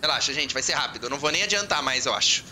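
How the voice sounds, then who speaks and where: Excitable Brazilian gamer, bright voice. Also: male voice, mid-range voice, very fast, slight background noise. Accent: Brazilian Portuguese. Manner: excitable, joking, swears, talks to himself. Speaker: gaming channel host. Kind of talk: casual let's-play commentary.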